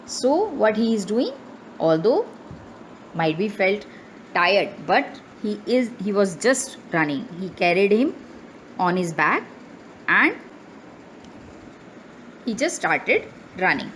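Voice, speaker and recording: Young Indian English woman teacher, slow and animated, explains a reading with a steady "right?", faint background noise. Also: medium pitch, low-quality recording. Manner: reads a line, then explains it and checks with "right?". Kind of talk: online class reading and explaining a story.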